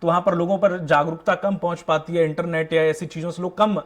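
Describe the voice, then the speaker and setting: A man's voice: a little high, fairly even intonation, fast. A man anchoring a televised political debate, putting probing questions to the panel. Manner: probing questions, brief acknowledgements.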